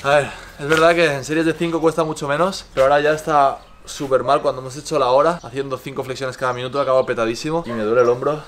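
A man's voice: medium pitch, steady tone, fast talker, few pauses, slight background noise. A man in his twenties chatting casually to the camera for a vlog, outdoors in a garden. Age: 20s. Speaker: fitness challenge vlogger. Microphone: camera a few steps away.

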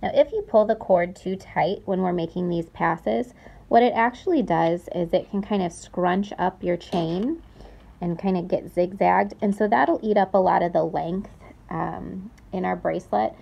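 A young woman's low, gravelly voice, warm and a bit breathy, guides listeners through a craft tutorial at a measured pace. She explains each step with care and repeats key words for emphasis, though the audio sounds dull.

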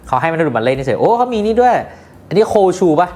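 A woman with a low voice hosts a casual phone review. Her delivery swings widely up and down as she jokes and chats to her viewers in a playful way. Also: sing-song, fast, a little mellow. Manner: playful and jokey, chatty asides to viewers. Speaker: tech reviewer host.

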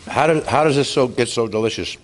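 A man's voice: medium pitch, quick pace, slight background noise. A man hosting a video visit to a small bakery, full of enthusiastic, effusive praise for the food. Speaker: video host. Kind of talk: casual chat. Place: small bakery shop, indoors.

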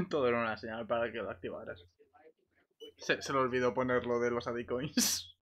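A man with an accent from Spain, bantering casually and excitably in a gaming voice chat, often joking. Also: mid-range voice, a little fast, dull audio. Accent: Spanish, from Spain. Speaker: gaming streamer.

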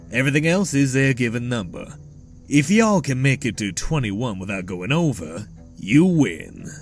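A drawling scarecrow soul collector. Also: male voice, mid-range voice. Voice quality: drawling, teasing, theatrical. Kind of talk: audio drama acting.

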